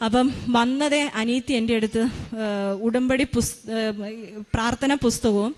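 A woman's voice: on the high side, a little mellow. A woman in her thirties with a Keralan accent, a mother giving an emotional testimony with restarts and fillers. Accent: Keralan Malayalam. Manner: fast, emotional retelling with many restarts and fillers. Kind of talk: personal testimony storytelling.

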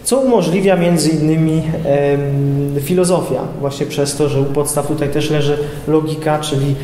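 A young man giving an informal lecture to high school students in a classroom, hesitating often with filler sounds as he explains. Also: normal speed, dark tone. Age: young adult. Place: classroom with projector screen, indoors. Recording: echoey room with long reverb, faint noise.

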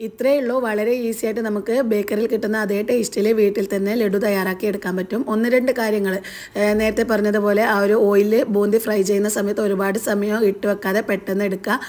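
A woman's voice: mid-range voice, flat delivery, fast, darkish tone. A woman with a Malayali accent, hosting a home cooking channel and narrating a recipe step by step in a chatty way with small fillers.

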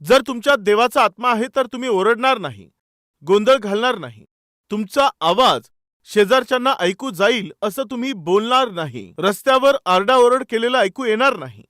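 A man with a notably high voice preaches a sermon. He fires rhetorical questions at his listeners and reads out scripture verses. The recording is close and dry, with no room sound. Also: lively intonation, normal speed, bright, forceful tone, no room sound. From India. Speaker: pastor.

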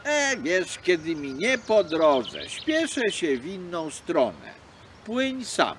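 A man's voice: wildly swooping pitch, slow pace, fairly bright tone, slight background noise, full character voice. A man playing a huffy big seal. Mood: dismissive. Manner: brusque, booming. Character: big unfriendly female seal, proud and touchy.

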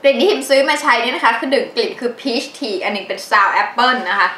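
A middle-aged woman chatting casually as she reviews used-up beauty and household products, animated and quick to laugh. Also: a little high, roomy sound. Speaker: beauty vlogger.

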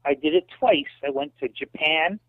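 A man in his late fifties, a guest in a casual interview, telling animated stories and often saying "you know". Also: fairly high pitch, normal speed, no room sound. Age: 50s. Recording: tinny dry phone line.

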